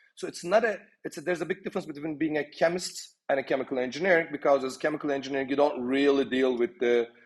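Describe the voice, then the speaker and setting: At a very fast pace, a man with a fairly high pitch speaks with ordinary pitch variation. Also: hardly any pauses. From Turkey. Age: 40s. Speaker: entrepreneur. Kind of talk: podcast interview. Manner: halting.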